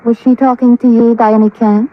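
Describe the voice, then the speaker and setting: A woman's voice: fairly high pitch, level tone, fairly quick, close to an everyday voice. An actress playing a genteel, evasive young woman from an old family in 1950s radio drama style, hesitant and confiding. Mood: suspicious. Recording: dull lo-fi old radio recording.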